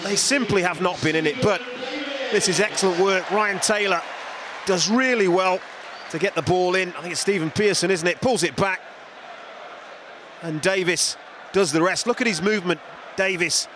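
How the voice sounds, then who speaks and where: A man giving measured football co-commentary, stressing key words by repeating them. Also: high voice, fairly bright tone, a faint crowd, slight background noise. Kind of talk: football match analysis.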